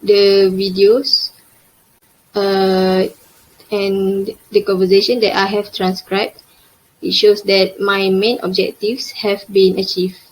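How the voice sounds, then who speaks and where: A woman's voice: mid-range voice, level tone, slow pace, poor audio. A young woman with a Malaysian accent, reading out an academic presentation carefully, with frequent hesitations. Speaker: student presenter.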